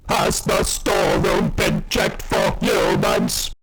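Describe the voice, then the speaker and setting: Hysterical robot alien, audio drama, slow clipped barks, extremely high pitch, harsh modulated voice. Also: male voice, fairly even intonation, loud music behind the voice, poor audio. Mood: commanding. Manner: staccato, barked, mechanical delivery.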